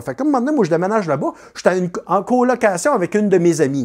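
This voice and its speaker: An animated man with a Quebec accent talks at a fairly quick pace and a high pitch, his pitch swinging very widely. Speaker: magician and storyteller. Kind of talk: comedic storytelling.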